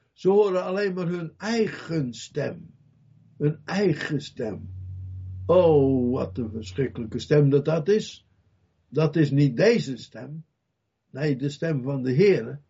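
A man delivers a sermon in a high voice at an unhurried pace. He stresses his points by repeating them and turns often to his listeners with direct questions. The recording sounds a little dull and lo-fi. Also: vocal fry, husky. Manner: emphatic, repeats key phrases, acts out Bible scenes with loud cries. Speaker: preacher.

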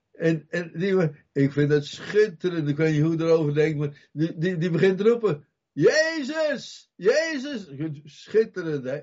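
A man's voice: a little high, highs cut off. A man preaching a sermon, repeating his key phrases with emphasis and putting questions straight to his listeners. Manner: emphatic, repeats key phrases, acts out Bible scenes with loud cries; addresses listeners directly with questions.

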